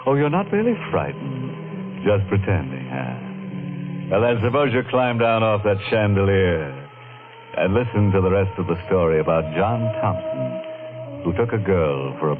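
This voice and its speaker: Deep, slow ghoulish radio host. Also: male voice, big pitch swings, music in the background. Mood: mocking, teasing. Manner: sardonic, teasing, macabre punning. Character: ghoulish, mocking male horror storyteller host. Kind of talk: 1940s radio horror narration. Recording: tinny old-time radio recording.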